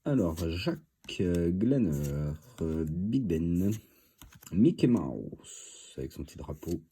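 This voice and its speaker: A man's voice: low-pitched, dark tone, husky. A man with a cold and a stuffy voice, chatting casually as he opens trading card packs, thinking aloud with lots of fillers. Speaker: card-opening video host. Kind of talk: casual commentary while opening card boosters.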